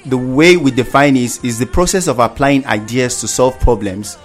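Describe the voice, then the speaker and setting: Man, radio co-host, steady explanatory delivery, mid pitch. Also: moderate pace, soft background music. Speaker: radio show co-presenter. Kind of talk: teaching vocabulary on radio. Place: radio studio.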